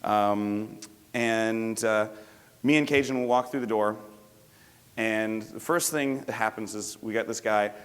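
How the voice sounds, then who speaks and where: A man's voice: fairly low pitch, steady tone, a little slow. A man teaching storytelling through a personal anecdote, rambling and correcting himself in casual speech. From Canada. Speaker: dating coach. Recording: long hall reverb.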